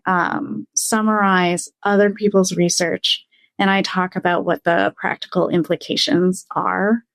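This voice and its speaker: A woman who is a professor, talking as a podcast guest and explaining her work in a measured way. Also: medium pitch, no echo, rough recording. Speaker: guest, business school professor. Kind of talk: casual interview talk.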